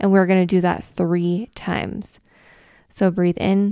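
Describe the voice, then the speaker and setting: A woman speaks at a fairly slow pace with a medium pitch and a dark, mellow, calm, soothing tone. The recording is very clean and dry, close with no echo, against a silent background. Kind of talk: guided meditation. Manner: slow, calm, soothing, paced counts; gentle, reassuring.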